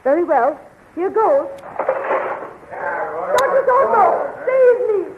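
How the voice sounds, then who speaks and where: A woman's voice: very high voice, big pitch swings, slow pace, a crowd in the background, exaggerated voice. Anxious obedient young captive girl, earnest 1930s radio acting, thin phone-like sound. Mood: frightened. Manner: meek, earnest. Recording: tinny, hissy 1930s radio recording.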